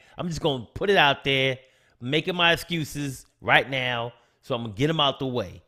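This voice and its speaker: On a very clean recording with a silent background, a man speaks at a moderate pace in a fairly high voice. His tone is bright, sharp and animated, with ordinary pitch variation. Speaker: software tutorial youtuber. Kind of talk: live Q&A stream. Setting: live stream. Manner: casual, animated.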